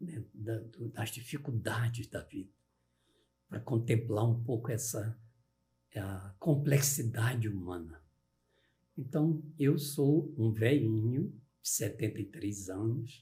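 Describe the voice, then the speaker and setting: Very slow and somewhat breathy, a man's dark, mellow voice moves with ordinary pitch variation and long, frequent pauses. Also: medium pitch for a man. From Acre, Brazilian Amazon. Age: 70s. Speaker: storyteller and writer. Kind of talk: podcast interview.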